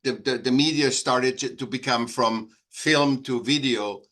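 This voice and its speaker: A middle-aged man from Austria with an Austrian German accent, speaking as an interview guest in a halting, animated way with frequent restarts. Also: mid-range voice. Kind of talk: conversational interview.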